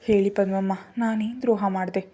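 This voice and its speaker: A woman's voice: mid-range voice, fairly even intonation, fairly quick, dark tone, lightly acted. A woman reading the lines of a heartbroken young wife who pleads and asks anguished questions.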